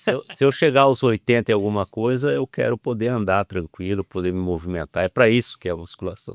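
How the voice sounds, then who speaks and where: A man with an ordinary speaking voice and a fairly low pitch talks at a fairly quick pace with lively intonation and hardly any pauses. The sound is dry and close with no echo, in a very clean recording with a silent background. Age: 60s. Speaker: interview moderator, former consulting partner. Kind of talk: podcast interview.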